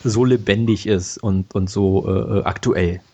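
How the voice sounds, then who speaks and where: Man in his late twenties, husky, lowish voice, rambling casual podcast chat. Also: fairly even intonation, unhurried, a little mellow. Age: late 20s. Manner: rambling, many fillers and restarts, laughs often. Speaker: podcast co-host.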